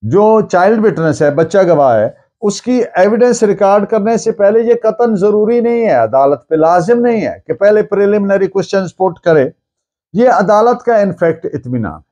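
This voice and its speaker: A man with a Pakistani accent giving a formal law lecture, mixing in English terms, deliberate and emphatic, repeating phrases in translation. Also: high-pitched, expressive, dark tone.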